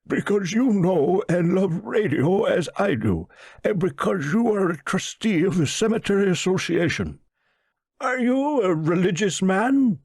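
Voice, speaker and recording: A man voicing a pompous, pious old millionaire with a solemn, slow drawl in an audiobook story. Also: high voice, expressive, darkish tone, husky, dry recording, pitched above the performer's own voice, heavily acted. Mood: slow, purposeful. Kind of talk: audiobook character voice.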